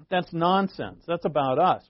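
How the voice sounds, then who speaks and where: A man's voice: fairly high pitch, animated, slow, dry recording, lo-fi sound. Casual male Bible teacher, dry sound. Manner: conversational, digressive, with fillers and asides.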